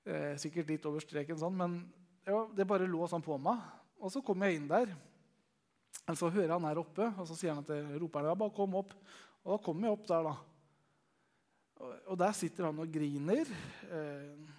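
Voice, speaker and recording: A man's voice: fairly high pitch, a little mellow. A young man telling a Christian testimony, chatty and full of fillers. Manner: storytelling, conversational with many fillers. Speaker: Christian youth leader giving testimony.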